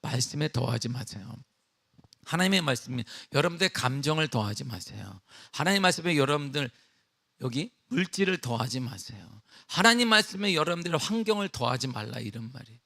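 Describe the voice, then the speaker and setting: A middle-aged man preaching a sermon as pastor, emphatic with call-and-response questions, then easing into a relaxed personal story. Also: mid-range voice, a little fast, vocal fry. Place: church sanctuary.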